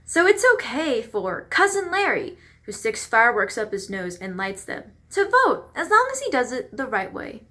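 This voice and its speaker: A woman's voice: a little high, very animated, normal speed, few pauses, bright, forceful tone. A woman delivering pointed, emphatic scripted narration for a readers theater piece.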